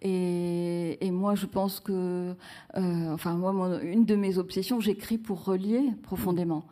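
A woman's voice: lowish voice, steady tone, a little slow, warm tone. A woman author in a live book talk, speaking reflectively with many fillers and restarts as she searches for her words.

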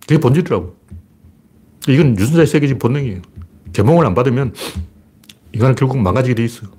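A man's voice: medium pitch, expressive, quick pace, mellow, slight background noise. A man giving casual political commentary in a sarcastic, mocking way, with scoffing asides and emphatic rises to drive his points home.

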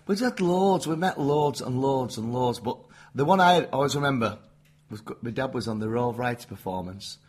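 A man's voice: medium pitch, normal speed, husky. A man, a comedian guest telling stories in casual chat and laughing through his anecdotes. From northern England. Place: venue abroad after a gig.

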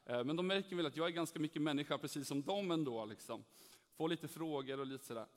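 An earnest young man tells a personal faith testimony and acts out the voices in his story. His voice sits fairly high. It rings with the long reverb of a hall. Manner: earnest, animated, acts out dialogue. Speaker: speaker giving a testimony.

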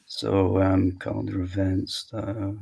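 A man walking through his software tool in a live screen-share demo, thinking aloud step by step. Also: sits low, flat delivery, slow pace, creaky, breathy edge. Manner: walks through steps aloud, thinking as he goes.

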